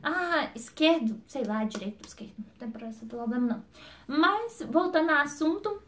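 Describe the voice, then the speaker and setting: Chatty high-voiced woman vlogger. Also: animated, fairly bright tone. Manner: rambling, jumps between topics; chatty, quick-talking, addresses viewers directly. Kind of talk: casual chat to camera.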